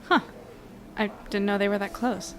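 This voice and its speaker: A woman's voice: mid-range voice, fairly even intonation, normal speed, natural voice. A woman playing a thoughtful, easygoing young woman in a naturalistic audio drama, speaking in a reflective way. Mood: casual.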